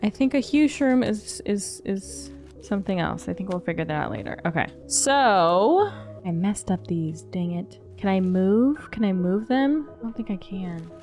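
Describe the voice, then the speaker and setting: A woman's voice: mid-range voice, expressive, unhurried, a little mellow. A woman streamer narrating a cozy game as she plays, chatty, giggly and talking to herself. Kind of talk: cozy game let's play commentary. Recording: faint background music.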